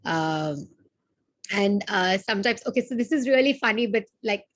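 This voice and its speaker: A woman's voice: mid-range voice, expressive, normal speed. A woman from India, a native Hindi speaker with an Indian accent, casually sharing personal experience as a session participant.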